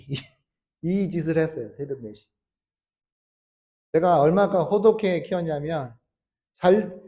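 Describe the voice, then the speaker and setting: A man in his thirties, a Salvation Army officer preaching a sermon, telling a story with acted quotes and swinging from loud to hushed. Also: high-pitched.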